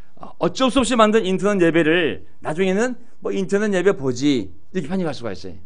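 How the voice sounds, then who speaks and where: This man's high-pitched voice moves at a very fast pace with lively intonation, and audible room echo surrounds it. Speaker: pastor. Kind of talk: sermon.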